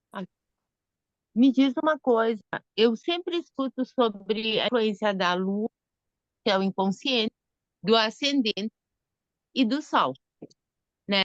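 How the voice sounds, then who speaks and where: Fairly high-pitched, a woman with a southern Brazilian accent speaks at a fairly slow pace with lively intonation and long, frequent pauses, in a dry, close sound with no echo. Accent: noticeable southern Brazilian. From southern Brazil, Rio Grande do Sul. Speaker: study group participant. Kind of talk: casual question in group discussion. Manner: halting.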